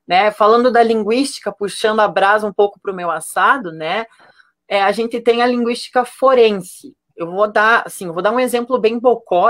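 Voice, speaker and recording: This is a Brazilian man with a strikingly high voice. He teaches in an informal, conversational way, explaining things simply as in a live online class. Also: fairly bright tone.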